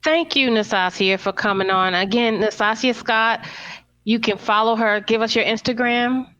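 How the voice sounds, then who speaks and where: A woman's voice: a little high, moderate pace, fairly bright tone, clean tone, no echo, muffled recording. A woman hosting a casual podcast chat. She talks emphatically and repeats words for effect. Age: 40s. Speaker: podcast host.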